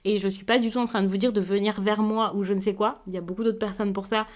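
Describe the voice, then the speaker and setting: Gentle woman reading tarot cards. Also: medium pitch, steady tone, fast talker. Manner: gentle, reassuring, with frequent hesitations. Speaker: tarot card reader. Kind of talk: casual tarot reading to camera.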